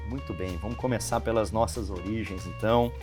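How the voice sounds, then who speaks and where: A man's voice: on the low side, fairly quick, music in the background. A man with a Brazilian accent hosting a casual, conversational interview. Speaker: interview show host.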